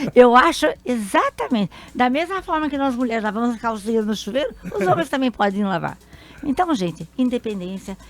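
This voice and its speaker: Her pitch is high and swings very widely. The woman talks at a fairly quick pace. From Brazil, São Paulo. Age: 70s. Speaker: retired schoolteacher. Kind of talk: radio interview. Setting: radio studio.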